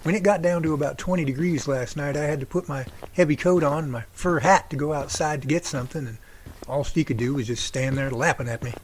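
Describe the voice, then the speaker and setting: A chatty grown son played by a man in an audio drama. His voice sits slightly high, folksy and good-humoured, over faint background noise. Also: fairly quick, close to an everyday voice. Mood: chatty, wry. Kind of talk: amateur audio drama acting.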